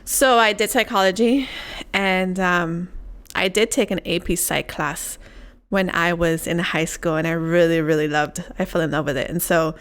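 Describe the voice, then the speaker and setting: A young woman from Puerto Rico with a slightly low-pitched voice co-hosts a casual chat. She rambles through her story with restarts and frequent laughter. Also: fairly even intonation, moderate pace, fairly bright tone, smooth. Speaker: podcast co-host.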